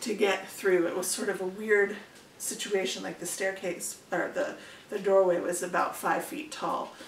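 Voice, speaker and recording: Her delivery is animated and dramatic, at a moderate pace. The room echo is audible around this woman's voice. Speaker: YouTube channel host and parent. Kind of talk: ghost story telling, spooky tale told to the camera. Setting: home video recording. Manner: storyteller's suspense, animated and conversational with dramatic pauses. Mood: spooky, dramatic storytelling. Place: home room.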